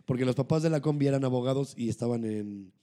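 Speaking fast in a mid-range voice, a young man with a Mexican Spanish accent recounts personal stories on a laid-back podcast. He brings them to life by doing the voices of the people involved.

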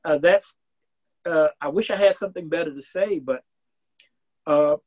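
A man's voice: on the high side, moderate pace, a little mellow, muffled recording. A man around sixty, from the American South, speaking earnestly as an academic guest in a casual interview and restarting phrases as he thinks aloud. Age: about 60.

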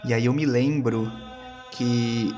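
A man narrates his role-play character in the first person. He is reflective and slow, at a medium pitch, pausing between short phrases over soft music. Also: steady tone, muffled recording. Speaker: tabletop role-play player.

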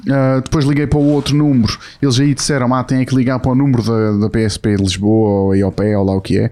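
Fast-talking young Portuguese man. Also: medium pitch. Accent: European Portuguese. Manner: animated storytelling, acts out quoted voices. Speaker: podcast co-host. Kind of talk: casual chat.

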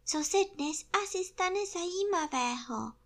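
A woman's voice: high-pitched, expressive, voice pushed up. A woman doing a small timid piglet. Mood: wondering.

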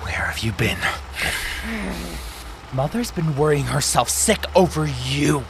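A man's voice: fairly high pitch, animated, takes it slowly, background noise. A man playing a domineering, exasperated older brother and war veteran who scolds in an audio drama. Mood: furious. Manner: scolding, exasperated, barking orders. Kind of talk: actual-play audio drama roleplay.

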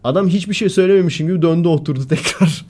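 A man co-hosting a casual podcast chat, telling stories animatedly and acting out the loud lines of the people in them. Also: on the high side, rapid-fire. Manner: animated storyteller, acts out quoted shouting. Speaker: podcast co-host.

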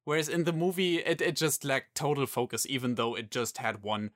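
A man taking part in a casual podcast discussion, talking in a measured way and weighing points fairly. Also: medium pitch, steady tone, fairly bright tone, no echo, studio quality. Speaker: podcast co-host.

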